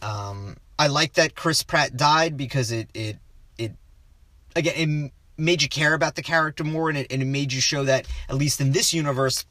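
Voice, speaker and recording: A man's voice: on the high side, normal speed, bright, forceful tone, no echo. A man co-hosting a casual film chat. He rambles, restarts his sentences and loses his train of thought. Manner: rambling, stops himself often and trails off.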